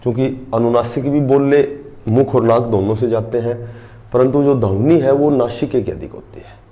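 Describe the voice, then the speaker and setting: A middle-aged male teacher giving an exam-prep grammar lesson, repeating key terms slowly so students can write them down. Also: mid-range voice, warm tone, dull audio.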